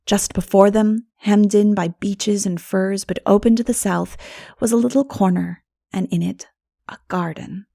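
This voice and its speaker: A woman reading a classic novel aloud as an expressive audiobook narrator. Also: medium pitch, unhurried, vocal fry, no room sound, studio quality.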